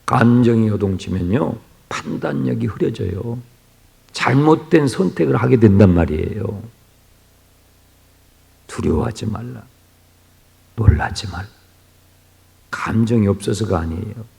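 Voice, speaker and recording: Male pastor preaching, voice jumps all over, goes whispery then loud, church echo. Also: on the low side, animated, unhurried, vocal fry, pauses often. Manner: swings from hushed near-whispers to loud exclamations; asks the congregation questions. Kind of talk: early-morning sermon. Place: church sanctuary. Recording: reverberant church hall.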